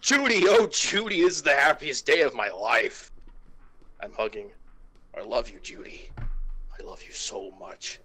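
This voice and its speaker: A man's voice: medium pitch, a little slow, bright, forceful tone. A man voicing an emotional, easily wounded male cartoon fox in an amateur, hammy comic reading. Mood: overjoyed. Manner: melodramatic, hammy.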